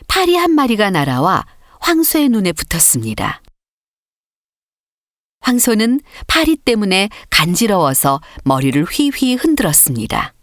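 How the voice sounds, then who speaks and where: A woman reads a scripted story for an audiobook. Her pitch moves expressively up and down through the sentences. The sound is dry, with hardly any room around her. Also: dry recording. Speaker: audiobook narrator. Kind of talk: scripted storybook narration for learner readers.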